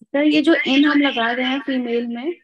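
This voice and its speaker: A woman's voice: high voice, steady tone, highs cut off, slight background noise. A woman student asking her teacher a question in an online class. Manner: quick questioning, speaking mostly Hindi.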